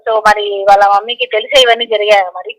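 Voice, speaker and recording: A woman's voice: medium pitch, steady tone, fast talker. A woman answering questions in a phone interview, speaking insistently and repeating her phrases. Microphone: phone call. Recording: tinny telephone line.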